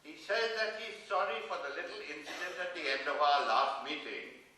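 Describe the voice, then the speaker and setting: A man's voice: a little high, lively intonation, a little fast, pushed and bright, slight background noise. A man playing a reserved, awkward English mathematics don, hesitant and understated, in a play reading. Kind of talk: dramatised stage play reading. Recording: echoey hall, far from mic.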